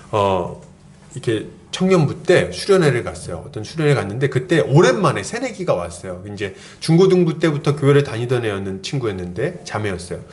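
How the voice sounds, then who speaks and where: A man's voice: mid-range voice, darkish tone. A male pastor in his thirties preaching an expository sermon, telling stories and acting out the voices of the people in them. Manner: storytelling, acts out quoted voices, chuckles often. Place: church sanctuary.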